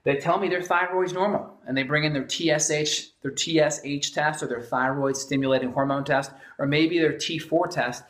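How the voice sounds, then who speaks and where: A man's voice: on the high side, steady tone, normal speed, hardly any pauses, fairly bright tone, roomy sound. A man, a functional medicine doctor, explaining thyroid lab tests at a whiteboard and often starting with "so again". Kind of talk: whiteboard health lesson.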